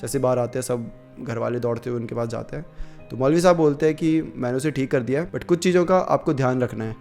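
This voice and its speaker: A man's voice: mid-range voice, quick pace, vocal fry, a little mellow, faint music behind. A man narrating a horror story in a casual, conversational way with many fillers.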